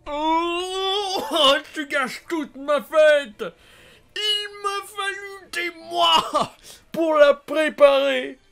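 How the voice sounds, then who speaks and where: A man's voice: very high-pitched, pushed and bright, full character voice. A man playing a manic, sadistic clown supervillain in a video game fan dub, taunting and theatrical. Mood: theatrically wounded. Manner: taunting, drawn-out, swooping delivery.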